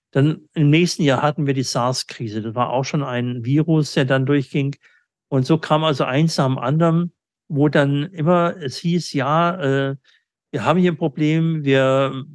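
A middle-aged man answering business interview questions reflectively, often pausing in mid-sentence as he talks. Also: mid-range voice, no room sound, studio quality. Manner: halting, with frequent pauses mid-sentence. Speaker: interviewee, company owner and sales agent.

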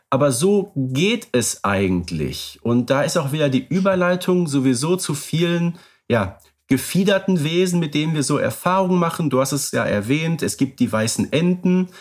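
A man's voice: fairly high pitch, expressive, normal speed. A man co-hosting a podcast in casual chat, easygoing and fond of wordplay. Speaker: podcast co-host. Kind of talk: casual chat about radio plays.

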